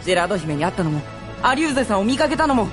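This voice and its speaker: An eager young mage played by a woman rattles along very quickly over music, pitch leaping around. The character is polite and earnest, in fantasy radio drama style. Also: big pitch swings, natural voice. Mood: relieved, eager.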